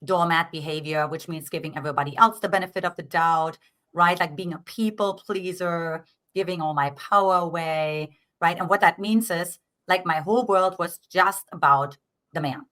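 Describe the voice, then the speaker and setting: Bright-voiced German-accented woman coach. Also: fairly low pitch, normal speed. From Eastern Germany. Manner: earnest, explanatory, frequent "right?" tags. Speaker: dating coach guest. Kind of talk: interview, coaching talk.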